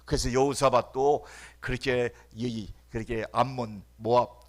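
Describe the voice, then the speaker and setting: A middle-aged male pastor preaching a sermon, dropping to hushed murmurs and then shouting calls at the congregation, acting out the voices he quotes. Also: mid-range voice, steady tone, a little slow. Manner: acts out quoted voices and drills the congregation with questions.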